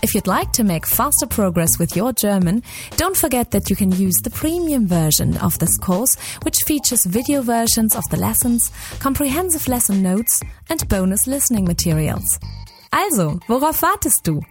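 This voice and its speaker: Female promo announcer, animated persuasive read, soft music underneath. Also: a little high, normal speed. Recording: voice over faint music bed.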